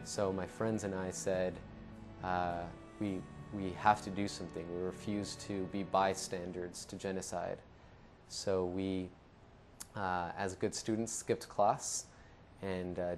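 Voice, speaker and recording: Young man, deep flat earnest voice. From Ecuador. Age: young adult. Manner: earnest, steady storytelling with some fillers. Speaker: founder of an anti-genocide network. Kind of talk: telling his life story to camera. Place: studio with dark backdrop.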